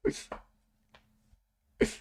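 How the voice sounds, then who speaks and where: A young man casually commentating over his own video, laughing often, swearing and now and then yelping loudly. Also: drawn-out words. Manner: laughs often, swears, bursts into loud yelps. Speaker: video essay creator doing live commentary.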